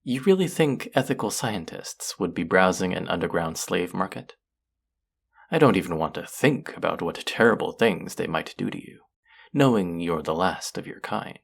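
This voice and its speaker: Performer as a gravelly, low, sinister alien collector. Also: lively intonation, exaggerated voice. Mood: coaxing, possessive. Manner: condescending, cooing, slow and savoring, often dropping to whispers. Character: cruel, covetous alien collector-artist feigning kindness to a captive. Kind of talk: dramatic second-person audio roleplay monologue.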